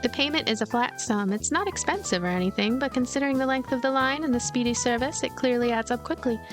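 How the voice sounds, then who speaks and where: A woman reading a visual novel aloud and adding her own gentle commentary. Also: fairly high pitch, fast talker. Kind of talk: voiced game narration and commentary. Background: game music.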